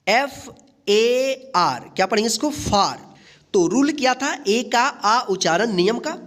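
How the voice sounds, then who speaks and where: A woman's voice: mid-range voice, a bit bright. A woman teaching a phonics lesson, spelling each word letter by letter and then saying it whole, and asking the viewer questions as she goes. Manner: asks the viewer questions and repeats the rule. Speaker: English teacher.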